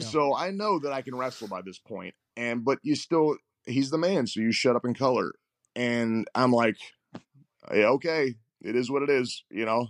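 Using a plain, everyday voice, a man speaks at a moderate pace and medium pitch with lively intonation, the sound dry and close with no echo. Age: 40s. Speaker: catch wrestling coach. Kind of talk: casual interview.

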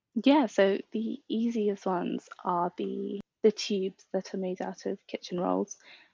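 A woman with a British accent speaks at a fairly slow pace with hardly any pauses. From UK. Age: 20s. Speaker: hamster owner guest. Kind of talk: casual chat.

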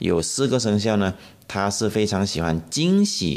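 A man with a fairly low-pitched voice talks at a moderate pace. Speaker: feng shui podcast host. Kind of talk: solo informational talk. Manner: halting, many fillers.

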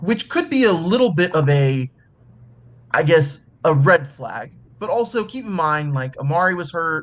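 A man's high voice with lively intonation at a moderate pace. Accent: American. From Texas (Houston). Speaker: podcast host. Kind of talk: casual chat.

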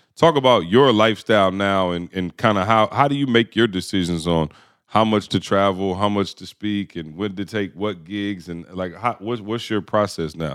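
In a plain, everyday voice, a man talks at a moderate pace and fairly low pitch, with ordinary pitch variation and hardly any pauses. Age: 40s. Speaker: podcast host and speaker trainer. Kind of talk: casual chat.

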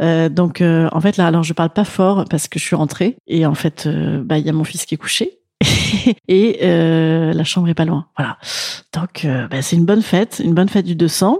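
A woman with a fairly low voice speaks with ordinary pitch variation. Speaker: podcast host. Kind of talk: casual solo monologue. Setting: alone at home. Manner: animated; quiet.

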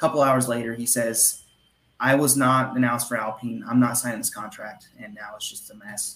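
Moving at a moderate pace, a man talks in an unremarkable speaking voice at a medium pitch. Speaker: podcast host. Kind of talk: casual chat about motorsports.

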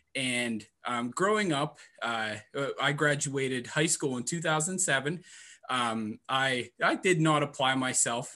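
A man's fairly high, bright, sharp voice with an American accent, at a fairly slow pace over a quiet background. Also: ordinary pitch variation. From Western Pennsylvania, US. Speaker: Salesforce professional. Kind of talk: casual interview, conversational. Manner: enthusiastic, animated, halting with repeats.

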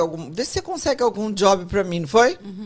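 A woman speaks with very wide swings in pitch. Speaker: talent agent and influencer matriarch. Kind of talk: casual chat.

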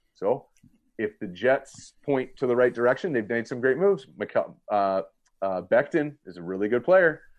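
In an American accent, a man with a plain, everyday voice of medium pitch speaks at a moderate pace with lively intonation. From Southern California. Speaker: quarterback coach and former NFL player. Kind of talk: interview.

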